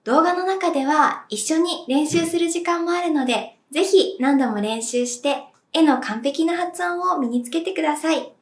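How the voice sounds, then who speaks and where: Woman teacher going slow and clear, high voice, kinda echoey room. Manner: clear, deliberate, demonstrates sounds for the viewer to repeat. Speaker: Japanese language teacher. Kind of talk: slow, clear pronunciation lesson.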